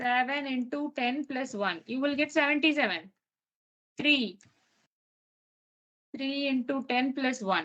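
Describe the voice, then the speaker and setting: A woman's high-pitched voice, bright and sharp in tone, at a fairly slow pace with long, frequent pauses and ordinary pitch variation. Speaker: programming teacher. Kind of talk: online class doubt-clearing session.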